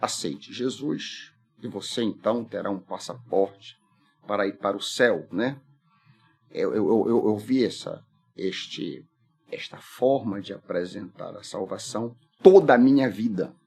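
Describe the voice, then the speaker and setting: A man talks at a fairly slow pace, leaving long, frequent pauses. His medium-pitched voice carries lively intonation. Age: 60s. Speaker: pastor. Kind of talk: interview, religious teaching.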